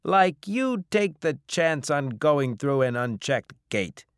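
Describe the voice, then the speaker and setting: Man acting out alien bartender, audiobook, gruff, suspicious, blustering, raised pitch, very loud. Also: sing-song, takes it slowly, dry recording, clean studio sound, heavily acted. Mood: gruffly impressed. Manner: bellowing, blunt.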